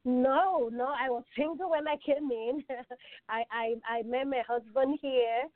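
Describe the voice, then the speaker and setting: A woman with a Nigerian accent, speaking as a guest in a joyful, prayerful manner and laughing easily. Her voice is a little high. The call sounds dry and tinny, with the narrow sound of a phone. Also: steady tone, unhurried, no room sound. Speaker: guest, pastor's wife and author. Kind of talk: interview answers.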